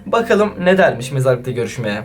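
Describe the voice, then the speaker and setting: A man vlogging over a phone game, excitable and slangy, often turning to talk straight to his viewers. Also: mid-range voice, fairly quick, faint music behind. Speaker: YouTuber. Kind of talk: casual gaming vlog commentary.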